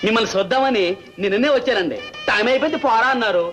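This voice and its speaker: An actor playing a poor, bumbling village servant who talks in a humble, rustic way. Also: male voice, very high voice, racing, over music. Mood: comic.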